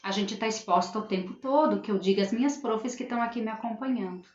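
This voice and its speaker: A woman's voice: fairly high pitch, quick pace, darkish tone. A middle-aged woman, a school teacher, hosting a casual live stream and earnestly talking to her viewers. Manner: earnest, addresses viewers and reads their comments aloud. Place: at home. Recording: roomy, dull lo-fi home live stream.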